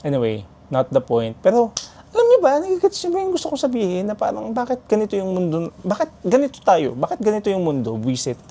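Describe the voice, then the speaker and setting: Animated, mellow-voiced man. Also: high voice, fast. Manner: animated, chatty, mixes in English. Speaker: vlogger. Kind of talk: casual storytelling vlog.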